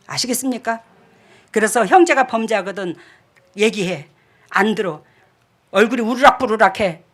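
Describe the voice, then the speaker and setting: A woman pastor preaching a sermon, scolding and emphatic, jumping between loud outbursts and quiet asides. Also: a little high.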